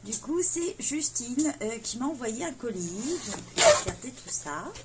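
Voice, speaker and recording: A woman's voice: fairly high pitch, sing-song, moderate pace, heavy background noise. A woman, chatting casually as she unboxes gifts, full of fillers and self-mocking asides. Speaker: coloring vlogger.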